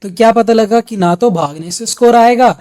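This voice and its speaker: Mellow-voiced man coaching exam students. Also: high-pitched, normal speed. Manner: explains step by step, speaking straight to students. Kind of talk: instructional video lesson.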